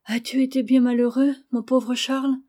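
Woman reading as a gentle blind girl. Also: high voice, flat delivery, normal speed. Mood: tender. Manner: soft, tender, earnest.

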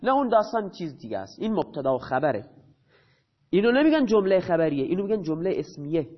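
A man gives a grammar lesson in a fairly high voice. He poses a question, answers it himself and repeats each key term slowly. The recording sounds dull and lo-fi. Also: sing-song. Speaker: teacher.

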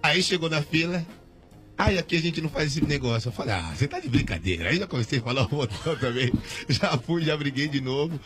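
Fast-talking man telling a story. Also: fairly high pitch, animated, fairly bright tone, faint music behind. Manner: rambling storytelling with slang and restarts. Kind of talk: casual radio interview.

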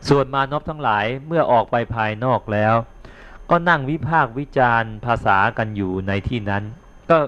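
A man who is a Buddhist monk, retelling an old tale in a loose, chatty dharma talk and pausing to explain words to his listeners. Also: medium pitch, expressive, a bit bright. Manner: chatty, repeats words while thinking aloud; explains like a teacher, checks in with listeners. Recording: dull lo-fi recording.

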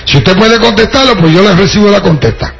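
A man's voice: high-pitched, expressive, brisk, gravelly, fairly bright tone. An older man from Puerto Rico with a Puerto Rican accent, preaching his testimony to a congregation, addressing listeners directly and slipping in wry jokes. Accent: Puerto Rican Spanish.

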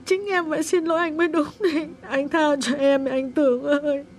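A man playing a grieving young woman in a storybook reading, pitched very high above his own voice. She pleads softly through tears, her words halting and choked. Faint music plays beneath. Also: expressive. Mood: sobbing. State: sobbing. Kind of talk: audiobook character voice.

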